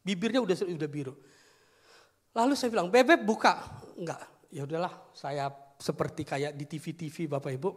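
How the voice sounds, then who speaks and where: A man in his thirties preaching a sermon, telling a story with animated acted-out voices. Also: fairly high pitch, normal speed. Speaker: pastor. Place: church hall. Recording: long hall reverb.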